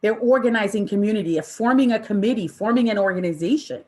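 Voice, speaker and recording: A woman's voice: medium pitch, a little mellow. Woman running an online training, impassioned and emphatic, asks questions n repeats stuff for effect. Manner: emphatic, deliberate, with rhetorical questions and repetition. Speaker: presenter leading a training session. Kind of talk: impassioned interactive workshop talk to an online audience.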